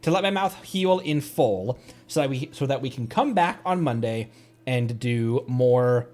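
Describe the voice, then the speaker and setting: A man's voice: mid-range voice, expressive, a little slow, a little mellow. A man chatting casually on a livestream during gameplay, easygoing and rambling as he corrects himself. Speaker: livestreamer, VTuber. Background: faint game music.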